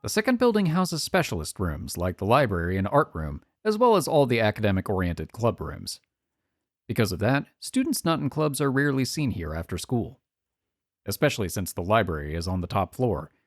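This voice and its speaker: A woman's voice: a bass voice, very animated, a little fast, no room sound, clean studio sound. A woman reading visual novel text aloud as a let's player, slipping in casual, wry, joking asides.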